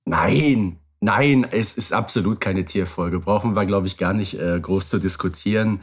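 A man co-hosting a podcast, chatting casually, relaxed and thinking aloud with frequent filler sounds. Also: sits low, measured pace, breathy edge. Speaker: podcast co-host.

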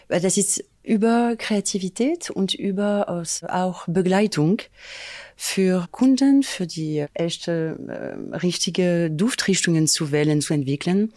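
A middle-aged woman with a French accent talks in a casual interview, often pausing to find her German words. Her voice is mellow and slightly low. The recording is dry and close. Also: no room sound. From France. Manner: halting, searching for German words. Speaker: fragrance design manager.

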